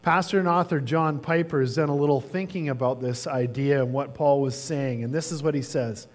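A man's voice: medium pitch, a little fast. A man preaching a sermon as the pastor, telling stories in a conversational way with some fillers.

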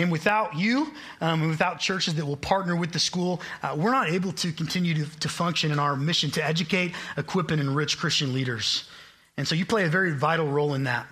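This guest preacher, a late-twenties Kansan on college admissions staff, jokes his way through a cheerful, self-deprecating sermon to a congregation in the sanctuary. He speaks in a sharp, fairly high voice.

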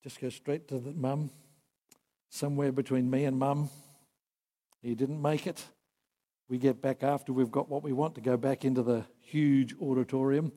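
A man preaching a sermon, earnest, swinging from emphatic peaks to soft, quiet passages. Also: mid-range voice, fairly even intonation, moderate pace, long pauses. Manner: earnest, rising to emphatic then dropping soft. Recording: long hall reverb.

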